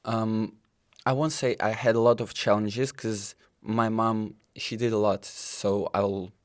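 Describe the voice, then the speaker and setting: Low-voiced young man from Ukraine. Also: level tone, takes it slowly. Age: young adult. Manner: earnest, fairly fluent non-native English. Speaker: student interviewee. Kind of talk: casual interview answers.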